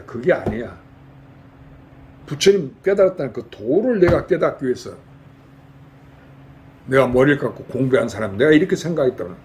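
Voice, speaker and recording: A man's voice: fairly high pitch, darkish tone. An older man from Jeolla, a Buddhist monk giving a folksy dharma talk in a temple hall and quizzing his lay audience with rhetorical questions. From Jeolla, South Korea.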